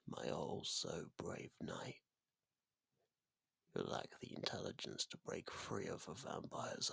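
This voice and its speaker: A sadistic, bloodthirsty ancient vampire, played by an actor, speaks in a low, husky voice for an ASMR roleplay. The delivery is slow and theatrical, often slipping into a whisper. It sounds seductive, possessive and condescending. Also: a bit bright, no echo, exaggerated voice. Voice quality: low, gravelly, breathy. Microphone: close studio microphone, dry.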